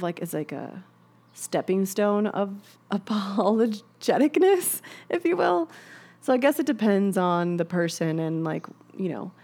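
A young woman talks through her topic like a relaxed podcast host. Her voice sits a little low, and she is candid and chatty. She laughs easily and swears for emphasis. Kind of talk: casual explanatory podcast talk.

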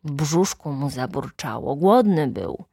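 Woman storyteller, low and unhurried, expressive children's reading, dry studio sound. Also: vocal fry, slightly rough, no room sound. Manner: slow, expressive, animated quoting.

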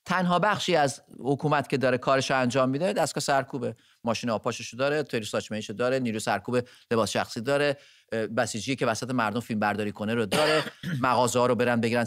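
Measured studio guest, dry close sound. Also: male voice, medium pitch, fairly bright tone, no room sound. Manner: measured, explanatory, lists points one by one. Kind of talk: political discussion.

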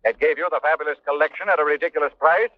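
A man playing a mysterious avenger from a vintage radio thriller, somewhat high in pitch. He is deliberate, accusing and menacing, on a dry, tinny broadcast recording. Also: fairly even intonation, no room sound, close to an everyday voice. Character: mysterious, mocking male avenger of crime. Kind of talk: 1940s radio drama acting.

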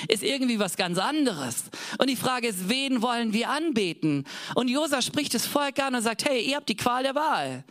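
A man's voice: high-pitched, a bit bright. Passionate German preacher man. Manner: passionate, emphatic, asks the congregation rhetorical questions. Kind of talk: sermon.

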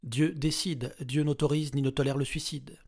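A man voicing a disembodied, dogmatic authority that speaks slowly and solemnly. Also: medium pitch, breathy edge. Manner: slow, flat, solemn.

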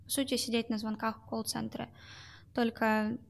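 Young woman, high voice, halting answers. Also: little pitch movement, creaky. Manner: hesitant, many fillers. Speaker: guest. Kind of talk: interview answers.

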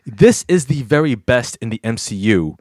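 A man's voice: medium pitch, sing-song, normal speed, a little mellow, dry recording. Teasing male podcast host, dry sound. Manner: teasing and boastful, stammers when worked up. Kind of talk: casual podcast banter.

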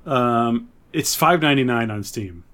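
A man's voice: medium pitch, lively intonation, unhurried, a bit bright. Man chatting casually as a podcast co-host. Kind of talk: casual chat about movies and video games.

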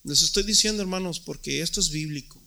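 Gravelly, bright-toned preacher man. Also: a little high, quick pace. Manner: emphatic preaching, repeats words and restarts. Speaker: pastor. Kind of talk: sermon.

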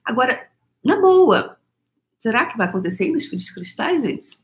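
A woman's voice: fairly high pitch, big pitch swings, moderate pace. A woman with a Brazilian Portuguese accent talks to her viewers in a chatty, storytelling way, adding tag questions and laughs. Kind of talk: casual spoken monologue to viewers.

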